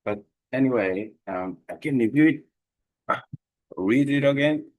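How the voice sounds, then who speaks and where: A man learning languages who reads his study notes aloud in a careful, halting way with pauses. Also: mid-range voice, animated, a little mellow, poor audio.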